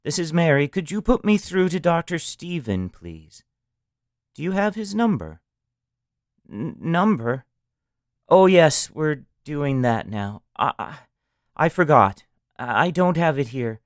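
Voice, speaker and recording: A man's voice: on the high side, big pitch swings, measured pace, dry recording, clean studio sound, pitched above the performer's own voice. A man doing a flustered, stammering mother. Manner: stammering, tearful. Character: flustered worried young mother, woman.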